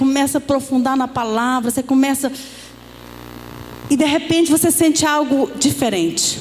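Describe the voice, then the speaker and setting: A woman's high voice with ordinary pitch variation, over noticeable background noise. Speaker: bishop and senior pastor. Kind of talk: sermon. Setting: church. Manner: animated.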